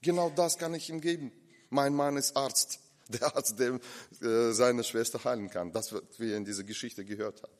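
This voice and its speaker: A man's voice: medium pitch, moderate pace. Preaching man in an echoing hall. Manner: impassioned, swings between loud and hushed. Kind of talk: sermon. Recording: long reverb of a hall.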